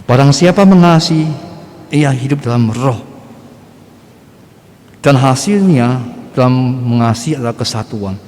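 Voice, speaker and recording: A man's voice: medium pitch, lively intonation, measured pace, pauses often, darkish tone. A middle-aged male Catholic priest preaching a sermon in a blunt, conversational way, firing rhetorical questions at the congregation. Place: church. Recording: long church reverb.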